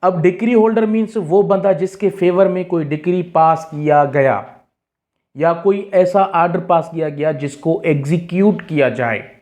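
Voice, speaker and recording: Higher-pitched South Asian man teaching. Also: measured pace, a little mellow. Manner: didactic, repeats key phrases, switches between Hindi-Urdu and English. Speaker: law teacher. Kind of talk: exam-prep lecture, explaining and reading out definitions.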